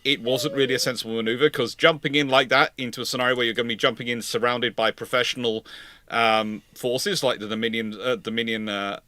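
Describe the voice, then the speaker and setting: A man's voice: mid-range voice, fairly even intonation, a little fast, bright, forceful tone, no echo. A man hosting a live question-and-answer chat casually, rambling and often restarting his sentences. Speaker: host of a live naval history question show.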